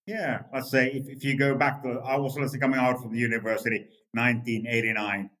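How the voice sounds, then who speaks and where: Halting Finnish-accented man. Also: mid-range voice, little pitch movement, fairly bright tone, rough recording. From Finland. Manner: halting, full of restarts and the filler "let's say". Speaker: guest founder. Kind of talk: casual interview answers.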